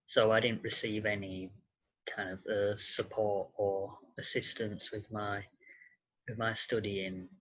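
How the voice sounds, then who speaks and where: Slow, low, husky young male voice. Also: level tone, a bit bright, dull audio. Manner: hesitant, halting phrasing. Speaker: podcast guest. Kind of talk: conversational personal account.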